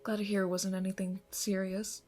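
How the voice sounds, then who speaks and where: Actress as calm, encouraging female yoga teacher for ASMR roleplay; soft, near-whispered guidance, medium pitch, light music underneath. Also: brisk, lightly acted. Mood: friendly, welcoming. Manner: soothing, breathy instructions, often softening toward a whisper. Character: gentle, encouraging female yoga instructor leading a morning class. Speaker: yoga instructor.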